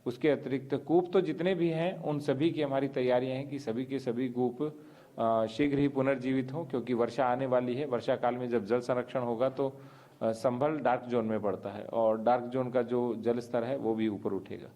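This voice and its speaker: A man speaking as a local official, explaining to the press in measured, formal bureaucratic wording. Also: medium pitch, fairly even intonation, warm tone.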